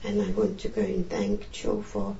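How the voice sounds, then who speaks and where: A woman medium voicing the gentle spirit of an early-1900s woman, with a childish-sounding voice and hesitant, repeating speech. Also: medium pitch, very animated, moderate pace, vocal fry. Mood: wistful. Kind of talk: séance channeling. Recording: echoey room, dull lo-fi sound.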